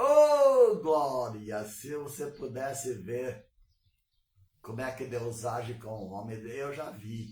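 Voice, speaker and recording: A somewhat breathy voice at a very slow pace, with ordinary pitch variation and big swings in loudness. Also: man, medium pitch for a man. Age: 60s. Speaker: pastor. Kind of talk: sermon. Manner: animated.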